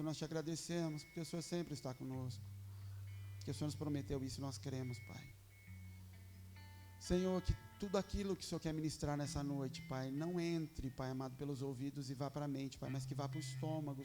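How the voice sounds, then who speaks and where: A man with a Brazilian Portuguese accent preaches in a church, earnest and fervent. His voice sits a little high with a gravelly edge. Soft music plays faintly underneath. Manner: earnest, fervent, repeats "Pai" in prayer. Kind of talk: sermon with prayer.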